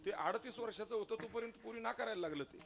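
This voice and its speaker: A man's voice: high-pitched, fast talker, creaky, over loud music. A man with a Marathi accent giving a devotional kirtan sermon, telling a funny story and acting out its dialogue. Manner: humorous storytelling, acts out dialogue, bursts into chanting. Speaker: kirtan preacher.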